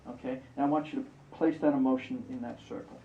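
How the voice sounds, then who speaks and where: A hypnotist guiding a volunteer through a live exercise, repeating encouraging instructions. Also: male voice, medium pitch, steady tone, quick pace, a little hiss or hum. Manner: coaching, repetitive, encouraging. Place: event room. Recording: roomy, distant, muffled live event recording.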